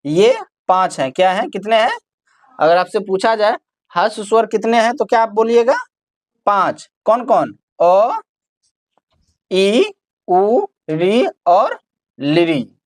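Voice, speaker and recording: A woman's voice: medium pitch, unhurried, no echo, clean studio sound. A woman teaching a grammar lesson, asking her students questions and then answering them herself while repeating the key terms.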